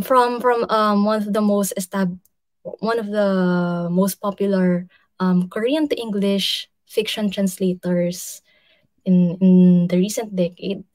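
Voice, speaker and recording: A woman's voice: medium pitch, darkish tone, dry recording. A young woman with a Filipino accent answering questions on a video call, switching between English and Filipino with many fillers. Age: young adult. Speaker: guest speaker, literary translator. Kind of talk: casual lecture Q&A over video call. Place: indoors, virtual city background. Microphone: video call, earphones.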